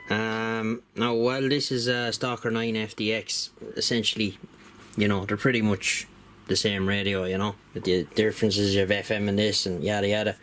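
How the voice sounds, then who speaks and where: A man's voice: lowish voice, fairly bright tone, slight background noise. A man talking casually through a radio repair demonstration at his workbench, rambling with lots of fillers. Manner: rambling and conversational, with many fillers.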